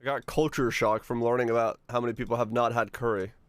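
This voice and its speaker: A man's voice: mid-range voice, little pitch movement, fast, clean tone, no room sound. A man from Finland chatting casually and informally with viewers as a game livestreamer, musing aloud with some mild swearing. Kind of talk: casual chat with stream viewers.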